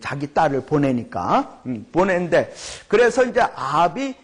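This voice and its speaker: A man gives a Bible lecture in a high, lively voice that swings widely in pitch. He talks in an animated way, keeps asking his listeners to agree with him, and acts out the shouts he quotes. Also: unhurried.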